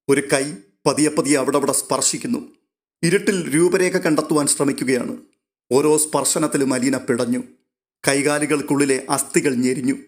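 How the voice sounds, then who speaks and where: A man reading a serialized novel aloud in steady, measured storytelling. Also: medium pitch. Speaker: narrator. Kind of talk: scripted narration of a serial novel.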